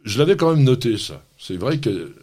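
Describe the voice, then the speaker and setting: A man's voice: medium pitch, very animated, normal speed, warm tone, breathy edge. A man hosting a radio gardening show, chatting enthusiastically and teasing his co-host with frequent laughs. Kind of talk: lively on-air gardening chat.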